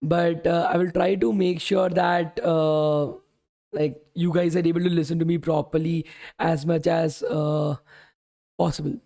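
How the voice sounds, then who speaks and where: A young man with a fairly high, gravelly, mellow voice speaks a little slowly in a flat delivery, worn out from a day of talking. As a bootcamp instructor teaching coding on a live stream, he keeps things casual, answers the chat, and keeps using "okay" and "guys."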